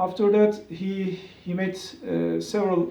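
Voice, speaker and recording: A man talks with a Turkish accent and a high pitch. Audible echo fills the room. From Turkey. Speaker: instrument maker and law academic. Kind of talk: informal video tutorial. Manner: hesitant, many filler sounds.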